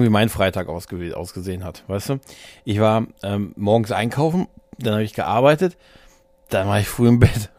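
A man's voice: on the low side, no room sound. A man in his late thirties or older chatting casually as a podcast co-host, colloquial and self-deprecating. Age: late 30s or older. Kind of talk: casual chat.

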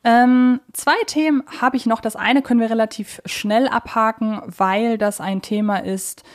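A woman's voice: on the high side, fairly even intonation, a little slow. Woman chatting emphatically on a podcast. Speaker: podcast co-host. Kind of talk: casual conversational discussion of audio dramas.

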